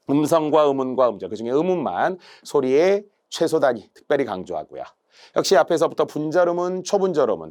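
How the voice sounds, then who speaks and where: A man's voice: medium pitch, a little mellow. A middle-aged man, a language instructor, giving an emphatic exam-prep lecture and stretching out his examples.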